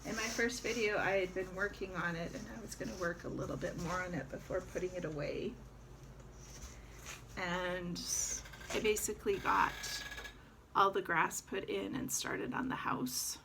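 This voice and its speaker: Chatty woman with a gravelly edge. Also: fairly low pitch, moderate pace, background noise. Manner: chatty, rambling with fillers. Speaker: cross-stitch vlogger. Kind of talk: casual show-and-tell chat.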